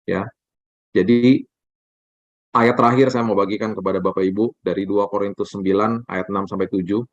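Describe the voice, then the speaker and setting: A man's voice: on the low side, moderate pace, dry recording. A middle-aged man preaching a sermon, telling a personal story and acting out the dialogue in it. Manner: animated storytelling, acts out dialogue. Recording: dry, dull lo-fi sound.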